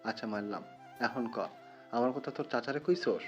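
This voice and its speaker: A man voices a violent, jealous young gangster lover in a muffled audio drama, with music running underneath. He snarls his threats, his voice held at a medium pitch. Every line sounds like a warning. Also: moderate pace, darkish tone, close to an everyday voice. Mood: furious. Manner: menacing, snarling threats in rough street dialect.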